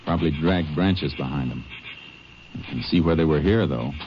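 An actor playing a calm, observant, methodical Texas Ranger in an old-time western radio drama. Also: male voice, extremely low pitch, moderate pace. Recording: dull 1950s radio recording, faint noise.

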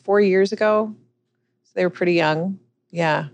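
A woman's voice: on the low side, a little slow, a little mellow, muffled recording. A middle-aged woman, a business coach and author, earnestly recounting a personal story as a podcast interview guest.

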